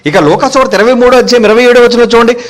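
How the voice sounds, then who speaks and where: ఒక పురుష బోధకుడు, ప్రశ్నల వర్షం కురిపిస్తూ, చదివిన వాక్యాన్ని మళ్ళీ చెబుతూ ఆవేశంగా ప్రసంగిస్తున్నాడు. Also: male voice, very high voice, rapid-fire. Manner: fiery, rhetorical questions, repeats each verse after it is read. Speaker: preacher. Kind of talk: sermon.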